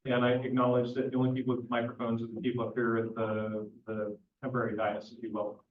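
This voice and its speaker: A man acting as mayor, opening a public council meeting. He talks slowly and projects his voice without yelling, with no microphone in a meeting room. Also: medium pitch, monotone, slight background noise. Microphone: no microphone, picked up from a distance. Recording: echoey, distant, dull sound.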